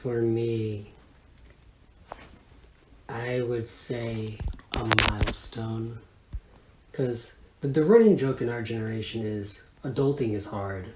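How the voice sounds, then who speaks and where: A man of thirty telling stories in a casual chat with his father, animated and lively. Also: slow, pauses often. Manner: animated storyteller, lively pitch. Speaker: son talking with his father. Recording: echoey room with faint noise.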